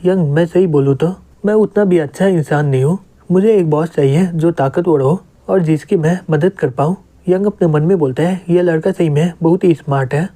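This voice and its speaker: A young man narrating a manga story recap, reading out every character's lines in the same steady voice. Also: fairly high pitch.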